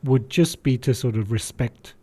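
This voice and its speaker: Man, forties, mellow dark tone, relaxed radio guest, lots of ums. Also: mid-range voice, normal speed. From England. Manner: relaxed, frequent ums and sort of. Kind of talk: casual radio interview.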